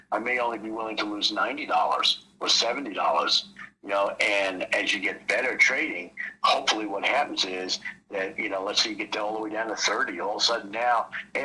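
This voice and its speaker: A man's voice: fairly low pitch, fairly quick, bright, forceful tone, slight background noise, low-quality recording. A man explaining trading casually on a call, rambling and leaning on "you know" between thoughts. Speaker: trading mentor.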